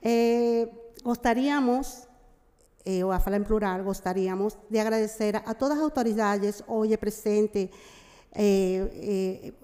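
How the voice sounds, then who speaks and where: A middle-aged woman representing a migrant community organization gives a formal speech in halting portunhol, mixing Portuguese with her native Spanish and often hesitating. Her voice is medium-pitched and dark. She uses a gooseneck desk mic in a large wood-panelled legislative chamber, and the hall echoes with long reverb.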